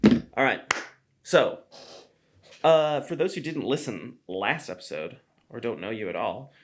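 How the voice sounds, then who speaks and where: A male podcast host who talks loosely and rambles through his sentences. His voice sits at an everyday middle pitch. He drops casual curse words and plenty of "um"s along the way. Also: animated, unhurried, noisy background. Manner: rambling, filler-heavy, swears casually.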